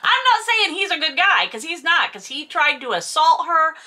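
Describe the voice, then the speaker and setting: A woman's voice: very high voice, big pitch swings, normal speed, sharp tone. A woman hosting a casual read-along, giving mocking, exasperated commentary on a novel with sarcasm and some swearing. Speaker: host reading a novel aloud with commentary.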